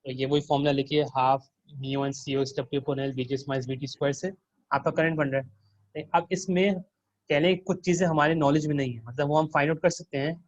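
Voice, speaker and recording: A man's voice: on the high side, fairly even intonation, normal speed, dry recording. Man teaching a circuit session, dull audio. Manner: explanatory, quizzes students with questions. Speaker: teaching assistant. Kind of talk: online tutorial walking through a circuit simulation.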